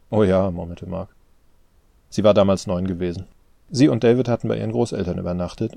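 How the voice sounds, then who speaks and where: A man narrating an audiobook in a measured, steady way. His voice is low and gravelly, with a dark, mellow color, and it sounds dry and close to the mic. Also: no room sound. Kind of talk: scripted narration.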